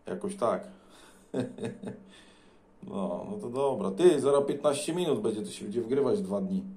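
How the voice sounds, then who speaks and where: A man's voice: on the low side, animated, measured pace, mellow. A Polish man chatting casually as a CB radio operator, recorded indoors beside his transceiver. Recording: echoey room, faint noise.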